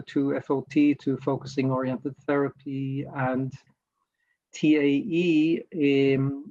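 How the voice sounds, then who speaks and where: Leading a slow, reflective workshop, this facilitator from Norway, a native Norwegian speaker, hesitates often while hunting for the right word. He has a mid-range, darkish voice, and the recording cuts off the highs.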